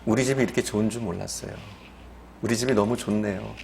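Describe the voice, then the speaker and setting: A male pastor voicing a humbled, obedient housewife in a sermon story, answering quietly and earnestly. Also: lowish voice, fairly even intonation, quick pace, creaky, slight background noise.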